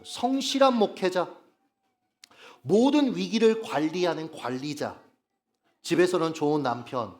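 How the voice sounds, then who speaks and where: Animated male pastor preaching a sermon. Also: fairly high pitch. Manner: asks the congregation frequent rhetorical questions; earnest and emphatic, stressing key phrases. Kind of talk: Sunday sermon. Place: church worship service.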